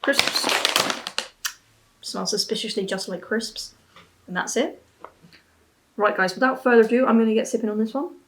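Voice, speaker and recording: A woman's voice: a little high, normal speed, pauses often, fairly bright tone, slight background noise, low-quality recording. A woman in her twenties giving a casual review to camera, musing and often restarting her thoughts. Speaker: beer and snack reviewer. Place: small plain room at home, seated at a table.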